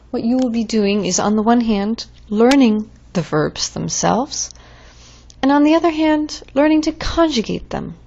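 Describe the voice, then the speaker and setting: Slow, patient woman teaching French. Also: a little high, gravelly, darkish tone, lo-fi sound. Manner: slow, patient drilling of conjugations. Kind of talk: recorded classroom lesson.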